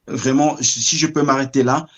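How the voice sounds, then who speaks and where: Telling his story as an interview guest, a middle-aged Cameroonian man keeps an ordinary male pitch and a steady tone. His delivery is slow, reflective and measured, with frequent pauses as he looks for the right word.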